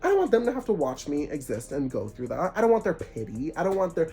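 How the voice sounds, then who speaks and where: A congested young man giving animated, preachy spiritual advice in a casual vlog, with sarcastic asides. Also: on the high side, fast talker, faint music behind. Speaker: vlogger.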